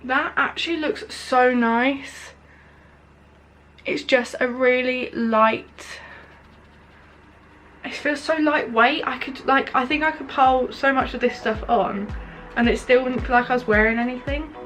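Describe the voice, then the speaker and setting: A woman's voice: high-pitched, steady tone, a little slow, fairly bright tone, soft background music. A young woman chatting her way through a makeup review. She sounds nasal and stuffed up, with a sore throat from hay fever, and fills her talk with lots of "like"s. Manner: chatty, rambling, many filler "like"s. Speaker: beauty vlogger. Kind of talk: casual product review while applying makeup. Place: indoors at home, window open.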